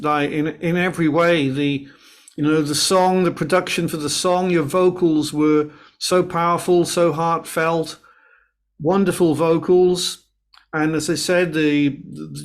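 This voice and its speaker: Man chatting on a video call. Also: a little high. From Wales. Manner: chatty, storytelling, some restarts. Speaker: guest singer-songwriter. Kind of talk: casual interview chat.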